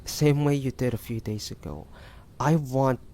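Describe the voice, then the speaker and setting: A man playing a tormented, bloodthirsty demon fighting his hunger in a dramatic audio roleplay, speaking haltingly with breathy sighs and drawn-out pleading. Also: mid-range voice, dark tone, lightly acted. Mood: afraid, yearning.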